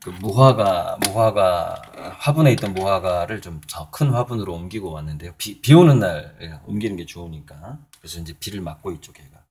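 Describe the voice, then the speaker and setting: A middle-aged man with a low, husky voice chats through his morning. He talks in a loose, rambling way, pausing on fillers and chuckling now and then. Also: lively intonation, darkish tone. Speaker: painter and channel host. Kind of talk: casual morning vlog talk.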